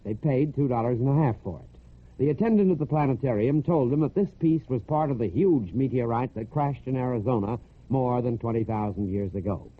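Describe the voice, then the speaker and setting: A man's voice: mid-range voice, a little fast. A narrow, tinny old radio recording carries the voice of an American man. He hosts a military radio programme and tells scripted stories. His delivery is folksy and conversational, like a storyteller talking straight to the listener.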